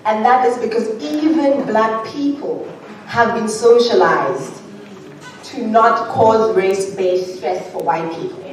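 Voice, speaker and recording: A woman's voice: fairly high pitch, takes it slowly, recorded from a distance, slight background noise. Woman in an echoey hall. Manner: animated, laughing storyteller. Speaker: audience member. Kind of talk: telling a story during a Q&A.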